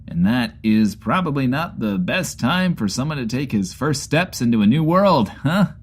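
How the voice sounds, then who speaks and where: A man plays a post-apocalyptic radio host answering mail in a lofty, mock-formal voice. His pitch leaps and dips with lively swings. He stays bemused and grandiose throughout. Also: moderate pace, a little hiss or hum.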